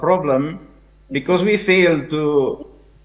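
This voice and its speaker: An Indonesian accent at a very slow pace, with ordinary pitch variation. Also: man. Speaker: audience member asking a question. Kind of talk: question at academic seminar. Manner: halting.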